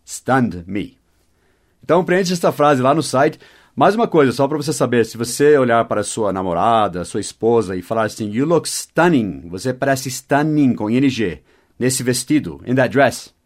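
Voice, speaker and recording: A man giving a short podcast lesson on English vocabulary, in a voice of middling pitch. He spells each word out letter by letter and slows down for the example sentences. He keeps checking in with his listeners as he explains. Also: lively intonation. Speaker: English teacher and podcast host.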